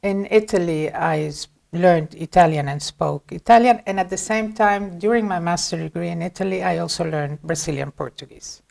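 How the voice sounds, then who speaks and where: A woman's voice: fairly low pitch, moderate pace, gravelly, hardly any pauses, a little mellow. A middle-aged woman from Venezuela, a guest in an interview, giving long reflective answers with frequent hesitations. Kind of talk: conversational interview.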